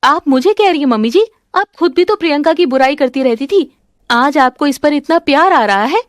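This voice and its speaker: A woman's voice: high voice, animated, brisk, no echo, clean studio sound. A woman voicing a jealous, scheming young daughter-in-law who answers back shrilly and defensively. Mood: protesting.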